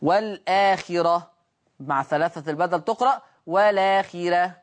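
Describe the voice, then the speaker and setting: Man teaching Quran recitation. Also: high-pitched. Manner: asks rhetorical questions, then answers them and chants examples slowly. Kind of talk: televised recitation lesson.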